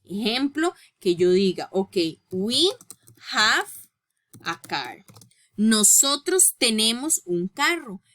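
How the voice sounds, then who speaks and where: Slow, bright-voiced woman teaching English. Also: a little high, sing-song. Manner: patient, explains step by step, checks in with "¿ok?" and "¿ves?"; reads English rules slowly and deliberately. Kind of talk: recorded grammar lesson.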